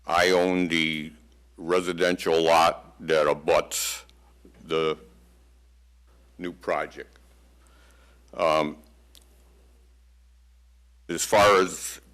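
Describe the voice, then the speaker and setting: Deep, big-voiced male resident at a hearing podium; plain, halting delivery. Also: fairly bright tone. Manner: halting, plainspoken, many fillers. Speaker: resident speaking at public hearing. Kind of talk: public comment at a meeting. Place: township meeting hall. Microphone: podium microphone.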